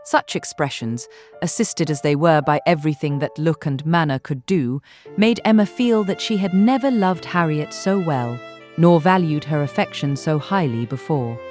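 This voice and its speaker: A woman narrating a classic novel audiobook in a measured, articulate, literary style. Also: low-pitched, darkish tone, soft background music.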